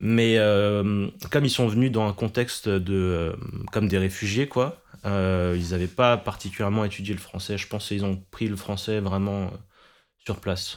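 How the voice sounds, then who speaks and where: Recorded very cleanly against a silent background, a man speaks fairly slowly in a fairly low voice with fairly even intonation. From France. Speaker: software developer. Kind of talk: casual chat. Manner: halting.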